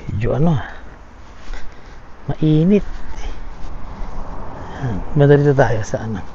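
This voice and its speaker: A vlogger from the Philippines chatting casually on camera, lively and talkative, who calls out loudly to the family dogs. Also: mid-range voice, slow, dull audio, slight background noise. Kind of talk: casual vlog narration.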